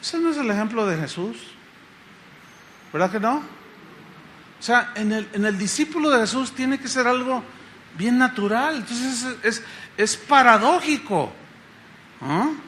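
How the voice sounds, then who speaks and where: A middle-aged Mexican pastor preaching a sermon in a conversational style, often asking the congregation rhetorical questions. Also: male voice, extremely high pitch, expressive, measured pace, long pauses, pushed and bright, slight background noise. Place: church congress hall.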